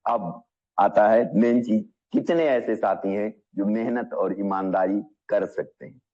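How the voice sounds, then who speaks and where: A man giving an energetic motivational business session, asking the audience questions and calling them friends. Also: on the low side, unhurried, muffled recording.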